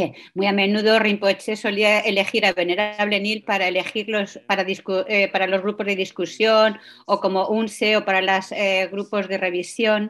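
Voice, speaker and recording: A woman talks at a moderate pace, her intonation monotone and flat. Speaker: host introducing a guest teacher. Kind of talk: warm introduction speech. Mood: admiring, warm, light laughter. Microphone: video call.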